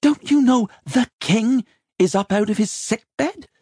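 A man's voice: very high voice, measured pace, dark tone, slightly rough, no echo, studio quality, pitched above the performer's own voice, exaggerated voice. A man voicing a cross, exasperated older head chambermaid who barks and scolds in a storybook reading. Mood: impatient, scornful. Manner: barking, exasperated, dramatic swoops. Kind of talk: audiobook character voice.

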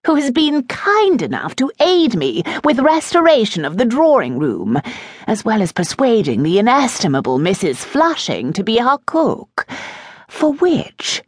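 A woman's voice: on the high side, wildly swooping pitch, husky, no echo, studio quality, voice pushed up, exaggerated voice. A woman playing an arch, cutting aristocratic mother. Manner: arch, sarcastic, measured delivery. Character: haughty aristocratic older mother, cutting and dry.

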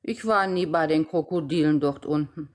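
An actress playing a kind-hearted, homely nursemaid in a radio drama, folksy and fussing. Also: female voice, deep voice, normal speed, lightly acted.

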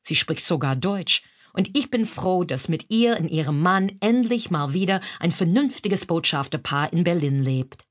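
A woman's voice: lowish voice, expressive, moderate pace. A woman with an American accent, a native English speaker, reading her own humorous memoir in German and mixing in English phrases. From United States. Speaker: author narrating her own audiobook.

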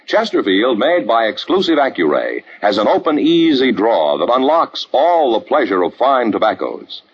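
A man's voice: mid-range voice, very animated, moderate pace, breathy edge. A man announcing on a 1950s radio show with a polished, emphatic delivery. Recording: dull old radio broadcast, faint hiss.

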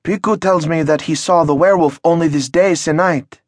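A man puts on a frightened French village peasant, his voice pitched up high and strained. He rushes through his fearful gossip, breathless and jittery. The sound is dry and close, as in a storybook reading. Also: no room sound, natural voice. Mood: frightened, excited.

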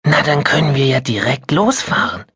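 A man's voice: a little high, expressive, normal speed, husky, no echo, clean studio sound, voice pushed up, exaggerated voice. A man reading a storybook, voicing a kind, affectionate older grandmother. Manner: warm, affectionate, sometimes hushed. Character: kind loving old grandmother. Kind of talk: audiobook character voice.

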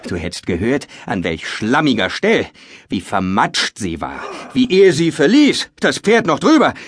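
An actor playing a chatty, put-upon manservant in a theatrical classical comedy audio drama, with excitable, exaggerated comic delivery. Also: male voice, medium pitch, no echo, studio quality.

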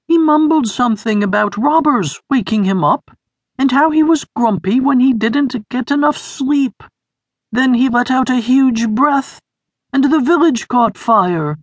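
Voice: sits high, dry recording, voice pushed up. A storybook reader voicing a weak, wheezing, plump young male creature who survived a fire. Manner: wheezy and breathless.

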